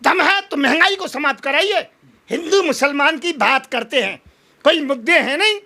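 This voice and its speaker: High-pitched, combative man. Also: normal speed, pushed and bright. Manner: combative, emphatic oratory with rhetorical challenges. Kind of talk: impassioned political interview.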